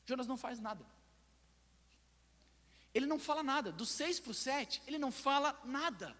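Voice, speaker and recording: A man with a Brazilian Portuguese accent preaching a sermon in church as pastor, swinging between loud and hushed and putting pointed questions to the listeners. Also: very high voice, animated, moderate pace, long reverb tail. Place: church sanctuary.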